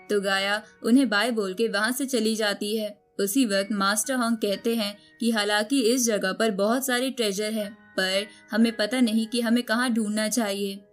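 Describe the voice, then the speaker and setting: A woman reading a scripted story recap as a narrator, telling the events in storytelling style. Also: mid-range voice. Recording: music bed under the voice. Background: background music.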